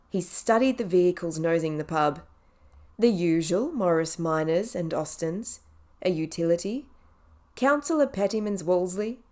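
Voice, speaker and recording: A woman's voice: lowish voice, a little mellow. Woman narrating an audiobook.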